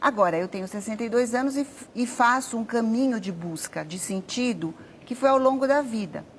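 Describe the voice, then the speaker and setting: Speaking at a moderate pace, a woman has a fairly high pitch. Her pitch varies in an ordinary way. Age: 60s. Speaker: anthropologist and educator, book author. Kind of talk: TV interview. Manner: hesitant, with repetitions.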